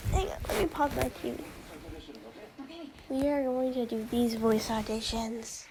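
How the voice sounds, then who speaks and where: Amateur female voice actor, high voice, casual chat to viewers, faint room noise behind. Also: vocal fry, dark tone, poor audio. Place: at home, in a room with someone sleeping nearby.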